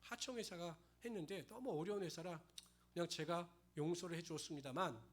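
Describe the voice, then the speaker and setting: A male pastor delivering a sermon, telling stories with emphatic, lively emphasis. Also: fairly high pitch, a little fast. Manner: emphatic storytelling preacher.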